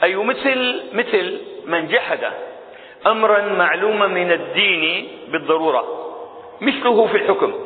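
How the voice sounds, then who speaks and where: Man teaching a religious lesson, high voice, tinny hall sound. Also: expressive, normal speed, long pauses. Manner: explains step by step with rhetorical questions. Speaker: Islamic scholar teaching a creed text.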